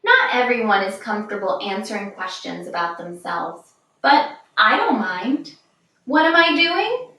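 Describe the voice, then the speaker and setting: A woman reading a children's picture book aloud in a measured, expressive storytelling manner. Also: medium pitch. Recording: distant, very echoey room.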